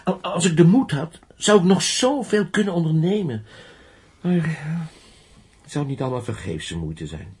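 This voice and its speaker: Young male idealist, radio play: earnest, stubborn, fervent, very animated melody. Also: a little high, normal speed. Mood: despondent, earnest. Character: earnest young blind inventor-teacher, stubborn, idealistic, lonely. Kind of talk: Dutch radio play acting.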